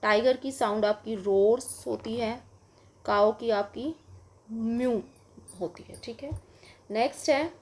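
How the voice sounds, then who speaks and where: A woman's voice: fairly high pitch, darkish tone. A woman with an Indian accent teaching a children's English lesson, explaining in Hindi and asking and answering her own questions. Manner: slow, patient, addresses children, asks and answers own questions.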